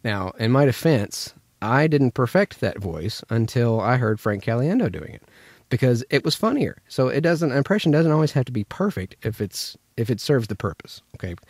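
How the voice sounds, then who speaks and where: A man's voice: medium pitch, big pitch swings, normal speed, darkish tone, dry recording. A man with an American accent, chatting casually as a voice actor giving a tutorial. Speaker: voice actor teaching impressions.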